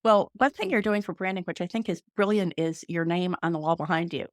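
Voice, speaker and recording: Woman, podcast host, enthusiastic interviewer, low voice, dry recording. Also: fairly quick, no echo. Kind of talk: interview hosting.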